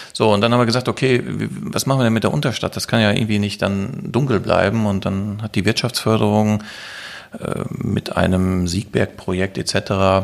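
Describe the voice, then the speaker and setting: Noticeable background noise under a man's fairly low-pitched voice. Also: ordinary pitch variation, moderate pace. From Siegen, Germany. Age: 50s. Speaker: Christmas market organizer and ad agency owner. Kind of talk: casual interview. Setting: office of his advertising agency.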